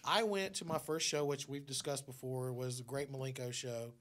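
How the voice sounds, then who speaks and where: A man's voice: mid-range voice, fairly even intonation, moderate pace, a bit bright. A man in a casual podcast chat, reminiscing in an emphatic way.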